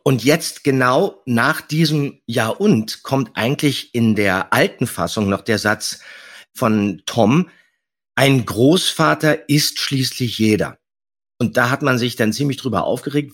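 A man's voice: medium pitch, animated, a little slow, slightly rough. A man talking casually as a podcast co-host. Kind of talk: casual chat.

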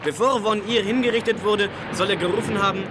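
Male actor as friendly fisher boy, high clear voice, bit of a smile, old radio play w/ heavy noise behind. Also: a little fast, natural voice. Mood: storytelling, mysterious. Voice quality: bright, clear young voice. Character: friendly bright young fisher boy, treasure seeker. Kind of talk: German children's radio play acting.

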